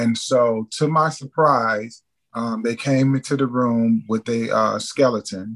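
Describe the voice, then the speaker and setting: With an American accent, a man with an unremarkable speaking voice talks fairly slowly at a medium pitch and fairly even intonation, in a dry, close sound with no echo. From Michigan, US. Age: 40s. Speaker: magazine editor and fashion photographer. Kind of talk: interview testimony.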